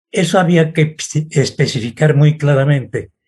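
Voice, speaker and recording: Slowly, at a very slow pace, a man speaks in a fairly high, somewhat breathy voice. His pitch varies in an ordinary way. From Bolivia, northern Potosí mining region. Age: 80s+. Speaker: radio scriptwriter and broadcaster. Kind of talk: interview.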